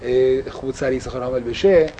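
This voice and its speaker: A man's voice: mid-range voice, dark tone, dull audio, a little hiss or hum. Man teaching a casual Torah class. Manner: mixes English phrases into speech, asks the class questions. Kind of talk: casual religious lesson.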